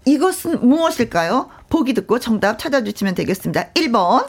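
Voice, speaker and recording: A middle-aged woman hosting a radio show, reading listener texts with lively, frequent laughter. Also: fairly high pitch, brisk, slightly rough. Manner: bright, lively, laughs often. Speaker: radio host. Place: radio studio.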